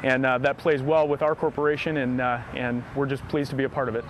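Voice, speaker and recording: A man's voice: mid-range voice, level tone, fast, slight background noise, rough recording. A man representing a company, interviewed outdoors at a sports field on a lapel mic, speaking enthusiastically with some fillers. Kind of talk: on-camera interview.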